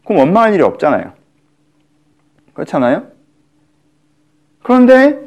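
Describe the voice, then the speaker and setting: Pastor, male, middle-aged: lively high-pitched sermon delivery that acts out complaints in voices. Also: dull audio. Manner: animated, acts out quoted complaints in shifting voices.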